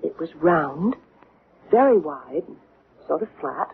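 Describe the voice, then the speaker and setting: An actress playing an earnest, troubled woman under hypnosis in a radio drama, speaking haltingly. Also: sits low, sing-song, exaggerated voice. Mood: trance-like recall. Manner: hesitant, halting. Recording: noisy, tinny old radio broadcast.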